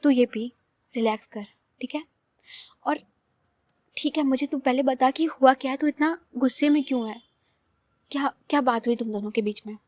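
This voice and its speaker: A woman's voice: high-pitched, normal speed, pauses often, a little mellow, dry recording, studio quality. A woman voicing an easygoing, teasing young woman who soothes her angry friend in a laid-back way. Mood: soothing.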